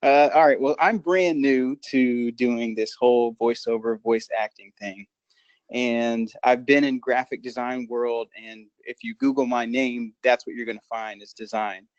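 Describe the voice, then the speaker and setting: A man's voice: medium pitch, steady tone, unhurried, no room sound, lo-fi sound. A man calling into a webinar, eager and polite, asking how to get started. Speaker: webinar caller.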